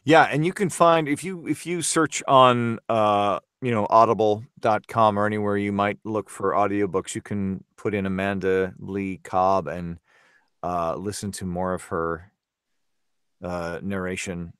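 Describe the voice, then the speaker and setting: A man's voice: fairly low pitch, steady tone, unhurried, a bit bright, smooth, no room sound, studio quality. A man who is an actor, talking casually as a podcast guest. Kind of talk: casual chat.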